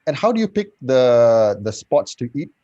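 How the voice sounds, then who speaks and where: A man's voice: medium pitch, sing-song, normal speed, warm tone, no room sound. A man judging a competition, asking contestants probing questions over a video call. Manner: probing, conversational. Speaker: competition judge. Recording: dull dry lo-fi call audio.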